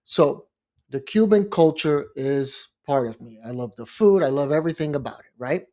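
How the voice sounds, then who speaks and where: A man's voice: fairly high pitch, lively intonation, moderate pace, dark tone. A middle-aged man from Miami, a lawyer, talking casually in a rambling monologue with asides and restarts. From Miami, Florida. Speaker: bankruptcy lawyer and blog host.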